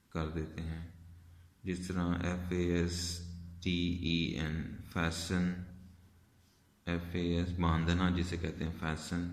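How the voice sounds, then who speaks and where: A man teaching an English spelling lesson, patiently explaining step by step and spelling words out letter by letter. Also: deep voice. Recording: echoey room with long reverb.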